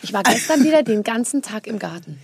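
Middle-aged woman hosting radio, higher voice, a bit husky, dry studio sound, teasing and chatty. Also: lively intonation, no echo. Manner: playful, teasing, asks quick questions. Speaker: radio show host. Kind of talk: casual radio chat.

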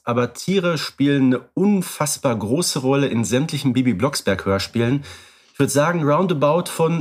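A man co-hosting a podcast, talking conversationally with precise, slightly formal turns of phrase. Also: fairly high pitch. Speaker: podcast co-host.

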